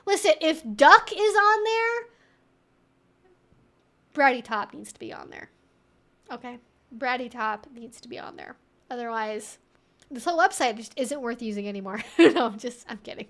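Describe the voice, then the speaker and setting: A woman hosts a casual livestream, chatting to viewers in a playful, wry, mock-serious way and giggling often. Her voice is on the high side, animated and a bit bright, at normal speed with frequent pauses.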